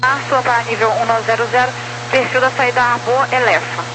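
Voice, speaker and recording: A woman's voice: a little high, steady tone, brisk. A woman with a Brazilian accent working as an air traffic controller, giving procedural instructions over two-way radio. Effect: aviation two-way radio. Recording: noisy radio channel with hum.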